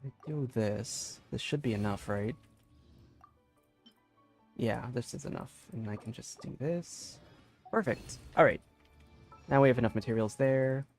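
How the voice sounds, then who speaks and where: A chatty young male game streamer talks to viewers in a casual livestream, bursting into laughter and excited shouts. His medium-pitched voice keeps a measured pace with frequent pauses, over soft background music, through a desk mic with a limiter filter.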